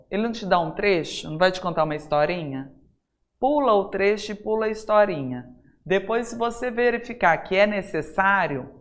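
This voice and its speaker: A Brazilian woman teaching an exam-prep Portuguese lesson, talking straight to her students with many rhetorical questions and slowly stressing key words. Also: medium pitch. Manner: stresses single words by saying them slowly and loudly. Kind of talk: recorded classroom lesson.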